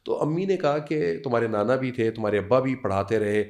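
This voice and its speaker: Man from Pakistan, 50s, lecturer, podcast guest, lively anecdotes, English phrases mixed in. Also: medium pitch. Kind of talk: anecdotal storytelling.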